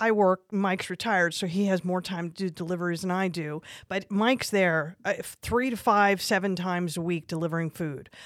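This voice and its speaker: On a very clean recording over a silent background, a woman speaks at a medium pitch and fairly quick pace in a plain, everyday voice. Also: fairly even intonation, hardly any pauses. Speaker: real estate agent and volunteer. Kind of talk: casual interview.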